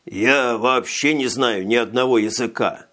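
A jittery little alien telepath, frail and slight, speaking slowly and softly, as a male reader puts him on. His voice sits at an ordinary middle pitch, with only a light change from the narration. It is an audiobook reading. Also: natural voice. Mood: plain.

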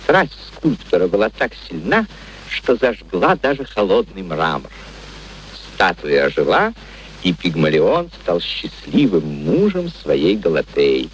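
An actor playing a genial, curious gentleman who narrates a radio play in an expressive, theatrical storytelling manner. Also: deep voice, a little slow. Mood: wry, storytelling. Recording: noisy vintage radio play recording.

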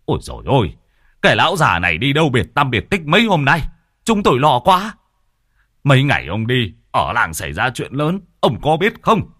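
A man voicing old village men who scold and tease their friend in a shrill, nagging way. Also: huge pitch swings, moderate pace, fairly bright tone, no echo, clean studio sound. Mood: worried scolding.

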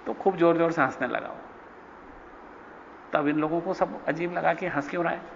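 A man with a fairly high voice gives a spiritual lecture in a hall with a long reverb. He tells a story, acting out the quoted lines with jumps in pitch. The recording is dull and lo-fi, with faint hiss. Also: normal speed, creaky. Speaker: spiritual teacher. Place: ashram hall.

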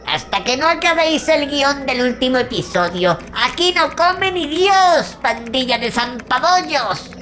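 Woman playing a slow-talking, bossy old skeleton crypt master. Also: sits high, lively intonation, sharp tone, slight background noise, exaggerated voice. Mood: scornful. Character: Tío Creepy, bony old crypt master, bossy, scornful. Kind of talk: comedy horror audio drama.

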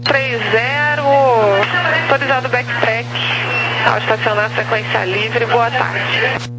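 A woman working as an airport tower controller, giving clipped, procedural clearances over aviation radio. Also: on the high side, fairly even intonation, slow, music in the background. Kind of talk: radio callouts of taxi and takeoff clearances. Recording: noisy airport radio with hum.

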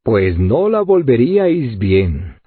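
A man's voice: mid-range voice, big pitch swings, slow, husky, no room sound, heavily acted. A man voicing an obstinate, grumbling grown sailor in a tinny, lo-fi audiobook recording. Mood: stubborn. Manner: grumbling, stubborn.

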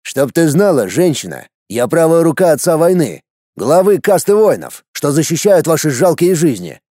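A man reading an audiobook, voicing an arrogant tribal warrior who threatens and shouts. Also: fairly high pitch, very animated, moderate pace, dry recording, clean studio sound. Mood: menacing. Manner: shouting, menacing, pompous.

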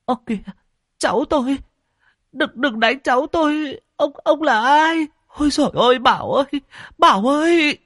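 A man voicing a frightened, grieving old grandmother who wails in a high, tearful voice. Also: moderate pace, a bit bright, dry recording, studio quality. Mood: pleading.

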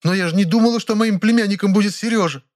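A man voicing a temperamental, sharp-tongued older actress in an audiobook, scolding and indignant. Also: sits high, fast talker, pitched above the performer's own voice, close to an everyday voice. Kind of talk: audiobook character voice.

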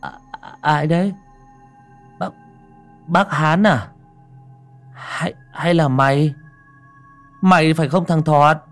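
A man voicing a terrified young male thief in a horror audiobook, stammering and pleading in a raised pitch. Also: moderate pace, fairly bright tone, soft background music, close to an everyday voice. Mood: fearful.

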